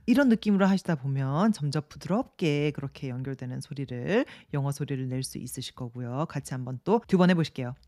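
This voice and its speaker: A woman teaching English pronunciation in on a video lesson. She repeats the English example words slowly and draws them out, and her voice trails off softly at the ends of her phrases. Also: very deep voice, animated, dry recording, studio quality.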